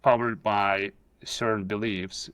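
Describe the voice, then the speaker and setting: A man's voice: on the low side, little pitch movement, slow pace, fairly bright tone, clear, resonant tone, no echo. A middle-aged man with a Russian accent, a guest on a video call, telling his story in a hesitant way with many fillers and restarts. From Soviet Union. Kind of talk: casual video-call interview. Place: pool house.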